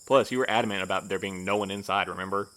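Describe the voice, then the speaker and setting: A man's voice: low-pitched, steady tone, rapid-fire, fairly bright tone. A man playing a stubborn, by-the-book postmaster in an audio drama, speaking in a formal, politely dry way. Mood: patient, dry. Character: prim, stubborn male postmaster, a by-the-book boss. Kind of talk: naturalistic audio drama acting.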